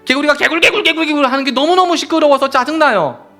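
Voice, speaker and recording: A man's voice: very high voice, quick pace, sharp tone, faint music behind, voice pushed up, exaggerated voice. A man doing a whiny, fed-up golden songbird. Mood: annoyed. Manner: whiny, complaining.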